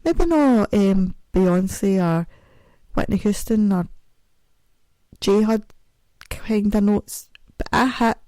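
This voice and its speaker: A woman's voice: slow pace, long pauses, dark tone, dry recording, low-quality recording. A woman hosting a podcast in a casual, self-mocking ramble, speaking carefully around a sore mouth after dental work. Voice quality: deep voice. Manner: chatty, self-mocking, sings snatches. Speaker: podcast host. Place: home, audio only.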